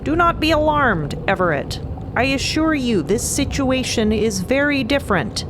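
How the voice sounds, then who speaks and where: A woman voicing a calm, formal male otherworldly being with precise, stilted phrasing, protective in temper, in an audio drama. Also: high voice, normal speed, noisy background, voice pushed up. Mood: solemn, reassuring.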